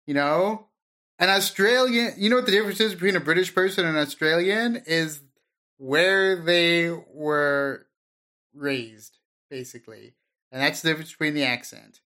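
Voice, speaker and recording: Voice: medium pitch, moderate pace, bright, forceful tone. A podcast co-host chatting casually in a blunt, opinionated way. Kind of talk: casual chat.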